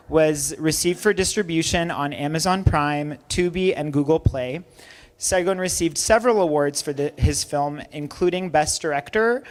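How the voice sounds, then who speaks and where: Man, event host, higher pitch, formal measured delivery. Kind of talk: reading a prepared introduction, then interviewing.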